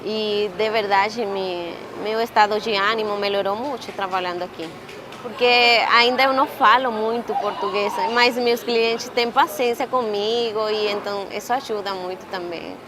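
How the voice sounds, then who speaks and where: A Venezuelan woman in her twenties with a Venezuelan Spanish accent, speaking Portuguese as a second language and telling her own story with pauses as she searches for words. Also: mid-range voice, steady tone, background noise. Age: 20s. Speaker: interviewee. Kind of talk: casual personal account.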